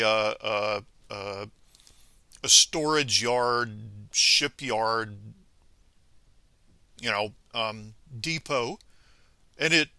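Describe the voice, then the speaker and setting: A man from Venezuela speaking a political monologue to viewers, halting with many pauses and restarts, then scolding emphatically. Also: mid-range voice, sharp tone, no room sound. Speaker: commentator.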